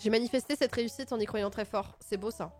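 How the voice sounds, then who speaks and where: High-voiced playful woman streamer. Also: quick pace. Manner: playful, expressive, sudden excited outbursts. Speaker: livestream host. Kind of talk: casual livestream chat. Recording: faint music in the background.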